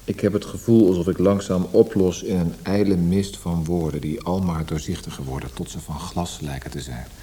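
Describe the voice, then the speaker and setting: An actor playing a weary, melancholy poet, speaking in a lyrical, introspective manner in a literary radio drama. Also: male voice, low voice, steady tone, normal speed, hardly any pauses, warm tone, a little hiss or hum, natural voice. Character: brooding, weary, melancholy male Austrian poet.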